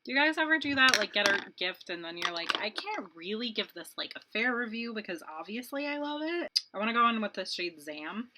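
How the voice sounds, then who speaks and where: A woman's voice: mid-range voice, sing-song, a little fast, few pauses, bright, forceful tone, a little hiss or hum, poor audio. A woman in her late twenties, a beauty vlogger chatting casually and rambling while she does her makeup, laughing often. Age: 20s.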